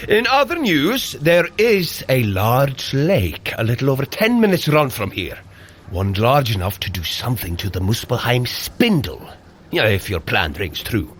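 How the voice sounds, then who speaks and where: Casting: boisterous heroic god, good-natured big brother, grand archaic speech, unhurried but hugely animated. Audio adventure, faint background noise. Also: male voice, mid-range voice. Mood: hearty, urging. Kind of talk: audio drama fitness adventure.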